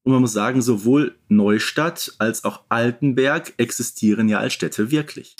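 A man with a mid-range voice discusses things on a podcast. He sounds measured and analytical, feeling his way through each thought in casual conversation. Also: mid-range voice. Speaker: podcast co-speaker. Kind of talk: casual podcast discussion of children's audio dramas.

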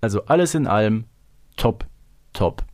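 A man's voice: fairly low pitch, animated, a little slow. Chatty man co-hosting a podcast. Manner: chatty, seeks agreement with tag questions. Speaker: podcast co-host. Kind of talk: casual fan discussion of an audio drama.

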